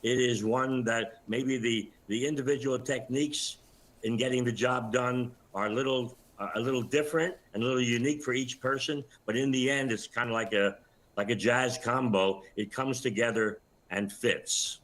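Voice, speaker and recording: An older man giving commentary as an expert guest in a live news interview, explaining things in a measured, halting way. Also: mid-range voice, steady tone, fairly bright tone, poor audio. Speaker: retired air traffic controller, interview guest.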